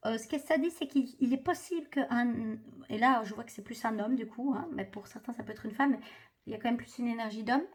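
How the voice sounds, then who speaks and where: A woman doing a spiritual card reading for viewers, hesitant and full of fillers and restarts. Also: a little high. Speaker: tarot card reader.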